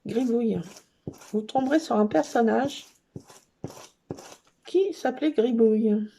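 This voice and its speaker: A woman's voice: on the high side, a little slow, vocal fry, warm tone, a little hiss or hum. A middle-aged woman chatting casually as she scrapbooks, teasing and cooing at her cats. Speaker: crafting vlogger. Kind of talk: casual chat while scrapbooking.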